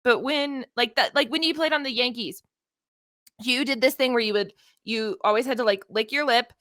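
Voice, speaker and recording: A woman's voice: a little high, normal speed, fairly bright tone, no echo, clean studio sound. A young woman co-hosting a podcast, teasing and blunt in casual chat. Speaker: podcast co-host.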